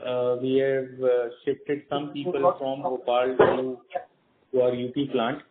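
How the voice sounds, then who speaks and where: A man with an Indian accent answering questions as a company executive on a call, with a hesitant, halting delivery. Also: medium pitch, level tone, heavy background noise. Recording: narrow muffled phone line.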